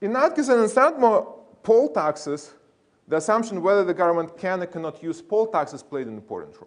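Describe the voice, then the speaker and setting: High-pitched and fairly quick, a man's voice moves through very wide pitch swings and big swings in loudness. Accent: non-native. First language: not English. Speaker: economics professor. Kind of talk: academic conference lecture. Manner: halting, repeats words.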